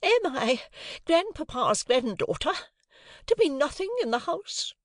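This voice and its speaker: A man reading an audiobook, voicing a haughty, self-pitying lady of the house in a shrill, indignant, pompous way. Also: sing-song, unhurried, no echo, clean studio sound.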